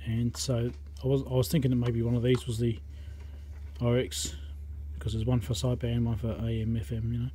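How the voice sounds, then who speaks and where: Guy talking through a repair at his bench, thinking out loud, bit of faint background hum. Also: medium pitch, little pitch movement, brisk. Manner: muttering, thinking aloud while working. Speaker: electronics repair presenter. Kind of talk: casual workbench commentary. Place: electronics workbench indoors.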